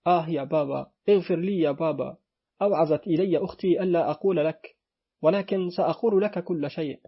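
A man voicing a sly little girl who begs her father for forgiveness, in a husky voice. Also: a little high, brisk. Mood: pleading. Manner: pleading, childlike. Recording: dull lo-fi recording.

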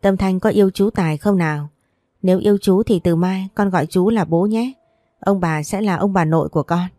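A fussing older grandmother, as a woman narrator plays her talks in a low, mellow voice. She dotes on the child and nags her son, read close and dry for a storybook. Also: brisk, no echo, lightly acted. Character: older countrywoman, warm grandmother.

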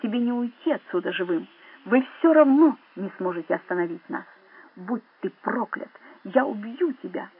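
Woman voicing a raging army colonel, shouting and hissing, husky, tinny phone-like sound, audiobook. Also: sits high, big pitch swings, moderate pace, exaggerated voice. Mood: enraged. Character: furious proud middle-aged male colonel. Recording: narrow phone-like band.

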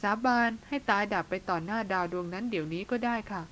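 A woman's voice: medium pitch, fast, fairly bright tone, slight background noise, close to an everyday voice, rough recording. A woman voicing an earnest, affectionate younger sister.

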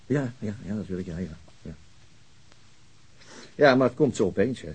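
An actor playing a meek, hesitant middle-aged father with a husky voice and a Netherlands Dutch accent in a radio drama, speaking haltingly and evasively. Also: on the low side, expressive. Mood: awkward, hesitant.

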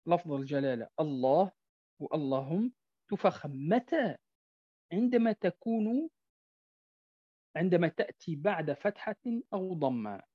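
A man teaching a tajweed lesson. He draws example words out slowly and keeps checking that his listeners follow. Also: fairly high pitch, very animated, dry recording. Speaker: Quran recitation teacher. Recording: dull, dry lo-fi recording.

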